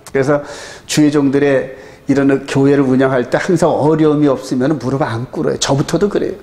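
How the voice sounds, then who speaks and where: A man preaching a sermon as pastor of his church, driving his points home with rhetorical questions to the congregation. His voice sits a little higher than most men's, and he leans hard on each point. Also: vocal fry, a little mellow.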